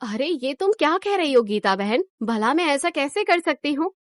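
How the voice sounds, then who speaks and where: A woman voicing a calm, fair-minded woman who runs a papad workshop in a cartoon story, speaking patiently and reasonably. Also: sits high, normal speed, dry recording, studio quality. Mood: reasoning.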